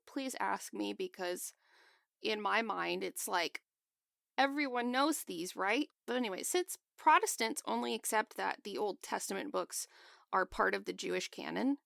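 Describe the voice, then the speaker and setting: Speaking as a podcast co-host, a woman casually explains a topic, keeping it chatty and laughing frequently. She has a mid-range, somewhat bright voice with vocal fry, captured in a dry, studio-quality recording.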